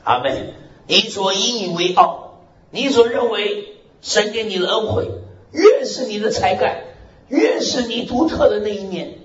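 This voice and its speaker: A male pastor preaching a lively sermon with a loud, strong voice, exclaiming amen and hallelujah and laughing along. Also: high voice. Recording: roomy, muffled recording with faint hiss.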